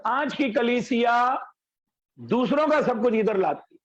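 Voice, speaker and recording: A man's voice: very high-pitched, animated, slow, muffled recording. A male pastor preaching a sermon, telling folksy anecdotes and stories, over an online call. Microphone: video call.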